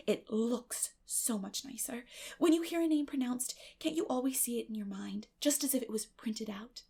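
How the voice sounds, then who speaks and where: A woman voicing an eleven-year-old orphan girl, dramatic and imaginative, with a breathy, effusive, emotional delivery in a storybook reading. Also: fairly high pitch, a little mellow, full character voice.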